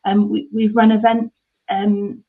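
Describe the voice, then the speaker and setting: A woman's voice: mid-range voice, little pitch movement, measured pace, creaky. A woman, answering interview questions about her charity work with many ums and restarts. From mid Devon, England. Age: 30s. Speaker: charity ministry worker. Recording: tinny phone-like line.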